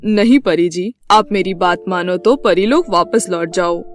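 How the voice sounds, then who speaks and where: A woman playing a poor, humble young cobbler, polite and dutiful, in an animated fairy tale. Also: fairly low pitch, measured pace, faint music behind, close to an everyday voice. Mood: reluctant. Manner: polite, modest.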